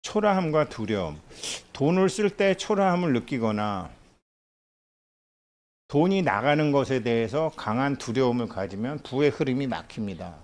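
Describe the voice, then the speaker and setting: A middle-aged man lecturing in a loose, conversational way. His voice sits at a medium pitch, and he keeps breaking into anecdotes, acting out the dialogue and chuckling along the way. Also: animated, moderate pace, darkish tone. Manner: chatty storyteller, laughs often, acts out dialogue.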